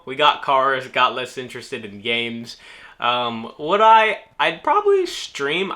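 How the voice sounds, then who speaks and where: A man's voice: medium pitch, sharp tone. A young man from New Orleans answering viewer questions in a laid-back, joking vlog style. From New Orleans, United States. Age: young adult. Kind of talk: casual Q&A vlog.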